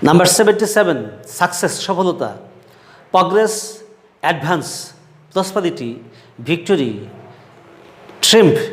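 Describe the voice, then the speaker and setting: A male English teacher from Bangladesh reading out lists of synonyms word by word and explaining them to his students. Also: a little high. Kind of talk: slow vocabulary lesson, reading word lists. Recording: echoey room with long reverb.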